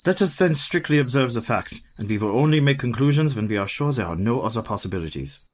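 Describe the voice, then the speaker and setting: An actor playing a methodical older professor hunting a vampire, speaking in a formal, measured way. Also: male voice, mid-range voice, expressive, a little hiss or hum, lightly acted. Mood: grave. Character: Professor Van Helsing, methodical older male vampire hunter. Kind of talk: community radio play acting.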